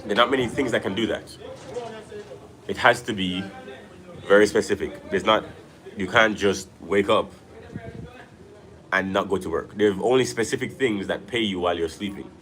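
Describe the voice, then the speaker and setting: A man's voice: fairly low pitch, normal speed, long pauses, a bit bright, rough recording. A Jamaican man hosting a casual livestream from home, talking loosely and rambling as he speaks straight to his viewers about money and investing. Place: at home, with a view behind. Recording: clear background noise.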